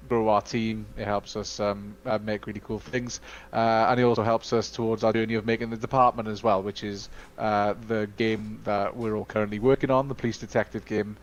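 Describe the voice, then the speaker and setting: A Welsh-speaking man co-hosting a casual live-stream Q&A, talking in a chatty, halting way full of fillers and restarts. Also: lowish voice, steady tone, highs cut off. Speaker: studio co-host.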